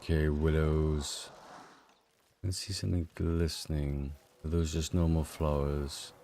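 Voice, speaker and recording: Deep-voiced man streaming, hesitant. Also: a little slow, slight background noise. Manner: relaxed, hesitant, many fillers, chatting with viewers. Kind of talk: casual gameplay streaming chat. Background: game music.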